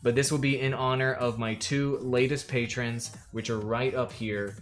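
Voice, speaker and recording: A man's voice: mid-range voice, steady tone, normal speed. A man talking casually to his viewers on a live stream, advising creators and thanking his patrons. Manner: chatty, addresses viewers directly, promotes patrons. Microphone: desk mic, pulled in closer later.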